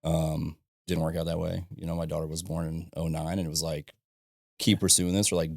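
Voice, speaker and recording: A man in his thirties from southern Illinois, a guest on a podcast, chatting in a relaxed way with frequent laughs and "you know what I mean". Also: very deep voice, brisk, gravelly, no echo, studio quality. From southern Illinois, USA. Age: 30s. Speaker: podcast guest, ironworker and business owner. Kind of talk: casual conversation. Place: podcast studio.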